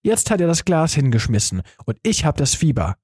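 A man voicing a feverish sick youth who speaks slowly and keeps repeating himself, in an audiobook reading. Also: on the high side, sing-song, darkish tone, slightly rough, no echo, studio quality. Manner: slow, dazed, repeating himself. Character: feverish sick young man, dazed and fixated.

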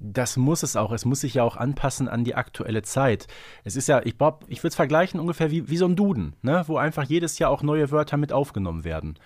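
A man's voice: medium pitch, lively intonation, fairly quick, dry recording, clean studio sound. A man co-hosting a fan podcast, casually thinking aloud as he talks. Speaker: podcast co-host.

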